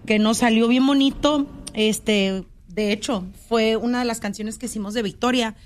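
A woman's voice: a little high, normal speed, slight background noise. A Mexican woman, a singer guesting on a show, bubbly and laughing as she chats. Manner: bubbly, laughing, self-described a bit crazy. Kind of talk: casual chat.

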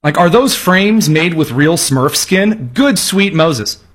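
A man from Indiana delivers political commentary with a sarcastic, mocking edge. His voice sits a little high and husky, and he breaks into jokey asides. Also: lively intonation, slow, a bit bright. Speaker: commentary host.

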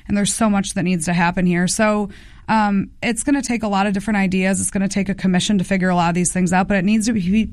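A woman in her thirties from the United States, a congressional candidate, assertively answers policy questions in a radio interview. Her voice is mid-range, recorded in a clean studio with no room sound.

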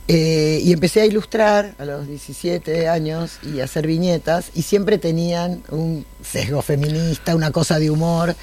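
A woman's voice: deep voice, steady tone, moderate pace, few pauses, warm tone, slight background noise. An Argentine woman, a cartoonist, talking emphatically and passionately on a panel. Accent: Argentine Spanish. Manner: passionate, emphatic, often laughing. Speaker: guest cartoonist. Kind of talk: panel conversation.

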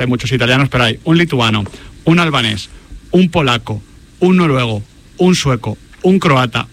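Un hombre que comenta fútbol en una tertulia de radio y enumera datos con énfasis. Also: male voice, a little high, a bit bright. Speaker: football pundit. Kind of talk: radio panel discussion.

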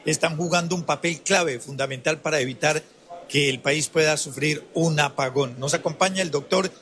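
Steady news reporter. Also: male voice, a little high, moderate pace. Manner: steady, informative. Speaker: radio reporter.

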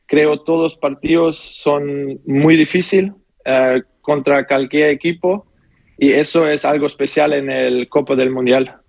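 This is a young man taking interview questions, his speech unhurried and full of pauses as he reaches for words in a language not his own. The sound is dry and close, with no room around it. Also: fairly high pitch, steady tone, gravelly, darkish tone, no echo. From Austria. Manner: halting non-native speech, many pauses and fillers. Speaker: footballer guest. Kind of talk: phone interview answers.

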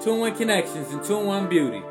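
A woman reading a radio ad for a clothing store in a brisk, promotional way. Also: medium pitch, lively intonation. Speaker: ad announcer. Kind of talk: scripted radio ad read. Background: music.

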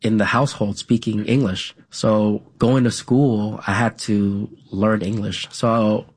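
Man, low-pitched voice, grew up speaking Vietnamese, interview guest, halting speech, frequent fillers. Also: steady tone, breathy edge. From United States. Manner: halting, many pauses and fillers, often adds "right?". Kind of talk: casual conversational interview.

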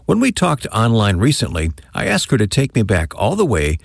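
A man's voice: fairly low pitch, wildly swooping pitch, normal speed, creaky, breathy edge, dry recording, studio quality. A man who hosts a radio interview show, introducing his guest and chatting with her and laughing along. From Michigan.

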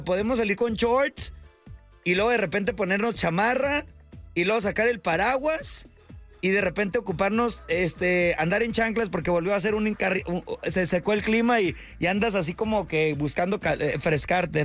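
A man's voice: high-pitched, moderate pace, a bit bright, soft background music. A man hosting an evening radio show, chatting casually and chummily with listeners. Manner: chummy, slangy, upbeat. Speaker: radio host. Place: radio studio.

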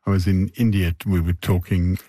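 A man hosting an interview, asking reflective questions in a conversational way with halting restarts. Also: low-pitched, flat delivery, dark tone, no echo. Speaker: interviewer host.

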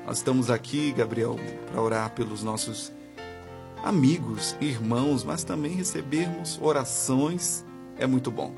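A man's voice: mid-range voice, a little slow. A Brazilian man hosting a live religious radio call-in as a pastor, chatting affectionately with listeners. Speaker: radio host and pastor taking listener calls. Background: music bed.

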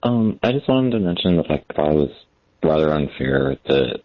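A man calling in to a radio show, speaking in a hesitant, halting way. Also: rumbling low, big pitch swings, no echo, muffled recording. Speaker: caller. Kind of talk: call-in radio.

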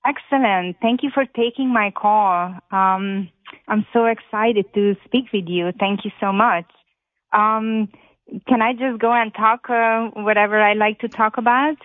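A woman with a Hungarian accent, calling in to a radio talk show and speaking earnestly with many pauses and fillers. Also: mid-range voice, steady tone, dry recording. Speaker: caller. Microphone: telephone. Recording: tinny phone line.

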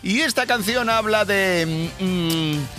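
Playful radio host over music. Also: male voice, sits high, slow pace, pushed and bright. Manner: playful, breaks into song. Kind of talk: lively morning radio game hosting. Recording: radio studio with music bed.

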